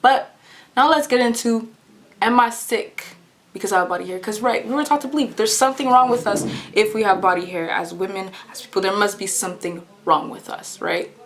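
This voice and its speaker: A woman's voice: mid-range voice, brisk, a bit bright. A young woman vlogging to camera in a casual, earnest way, often laughing and repeating her phrases.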